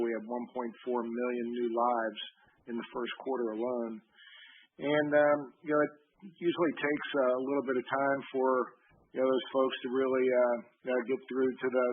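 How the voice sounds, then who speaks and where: A male company executive giving a measured, formal answer on an earnings call. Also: mid-range voice, husky. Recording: narrow-band conference call line.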